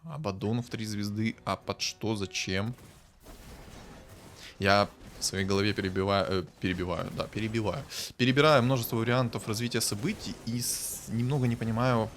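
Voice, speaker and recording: A man casually commenting on a strategy game as a streamer, thinking aloud and breaking into bursts of excitement. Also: fairly low pitch, slight background noise. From Ukraine.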